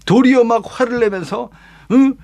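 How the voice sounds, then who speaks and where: Animated high-voiced male pastor. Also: normal speed. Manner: dramatic, with vivid sound words and rhetorical questions; acts out quoted lines himself. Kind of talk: animated Bible lesson storytelling.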